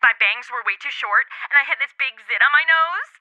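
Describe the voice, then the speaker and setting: An actress playing a sassy, shallow modern twenty-something through a telephone filter, slangy, flippant and chatty. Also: female voice, sits high, expressive, brisk. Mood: chatty, blasé. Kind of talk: comedic audio drama. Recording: thin, dull phone-call sound.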